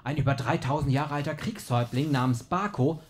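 An actor playing a driven, impatient scholar of the occult in an audio drama, speaking with insistent urgency. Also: male voice, a little high, brisk, close to an everyday voice. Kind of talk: German audio drama acting.

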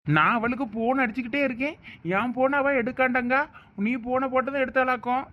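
An anxious village husband with a Thoothukudi accent, played by a man in a rustic drama. His voice is high for a man, fast and grumbling with impatience. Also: lo-fi sound, a little hiss or hum. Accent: Thoothukudi Tamil.

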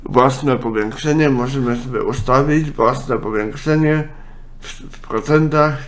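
A man, a congested nose and a speech impediment, giving a casual, halting software walkthrough. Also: mid-range voice. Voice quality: congested, blocked-nose sound; speech impediment, imperfect articulation. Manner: halting, with self-corrections. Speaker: software tutorial presenter.

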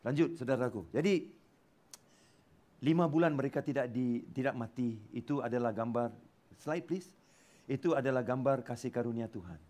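A man with a Malaysian accent preaching a sermon in church, mixing in English words and swinging between loud bursts and soft asides. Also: mid-range voice, moderate pace, pauses often. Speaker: pastor. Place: church hall.

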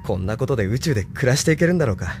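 A man's voice: medium pitch, lively intonation, very fast, lightly acted. An actor playing a young man new to space, sounding bewildered and earnest. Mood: unsettled. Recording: music bed under the voice.

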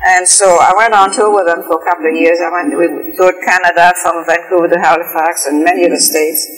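Old swiss-born lady around 80 telling her life story, unhurried, reverby room. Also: on the low side, steady tone. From Switzerland. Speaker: guest, artist. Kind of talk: recounting life story in a studio interview. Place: TV studio, indoors. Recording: reverberant 1980s TV studio, music behind.

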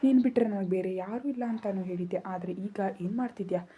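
Woman reading proud possessive young husband, brusque and commanding, mellow warm tone, storybook. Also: medium pitch, brisk, a little hiss or hum, close to an everyday voice. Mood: angry.

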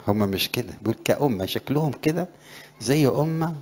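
A man's voice: mid-range voice, lively intonation, a little fast, a little mellow. A middle-aged man, a priest with an Egyptian Arabic accent, giving a conversational sermon to young graduates and rising in emphasis on scripture verses.

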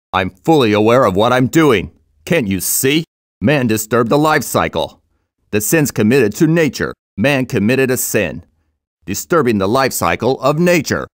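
An actor playing a grave, megalomaniac corporate villain in a video game, with stilted, deliberate, ominous delivery. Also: male voice, fairly low pitch, dry recording, studio quality. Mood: grave conviction.

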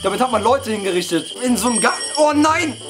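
A hoarse young man doing let's-play commentary, excitable, yelping and laughing as he talks to his viewers. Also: very high voice, quick pace. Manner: excitable, yelps and laughs, keeps addressing viewers. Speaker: gaming YouTuber. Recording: background music under voice. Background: game music.

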